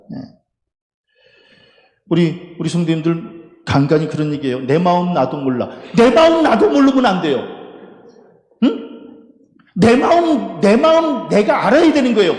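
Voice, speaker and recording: A high-voiced male pastor preaches with a wide, animated pitch that jumps up on his rhetorical questions. He laughs briefly between points. His voice rings through a church sanctuary with a long, echoing reverb. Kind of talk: sermon.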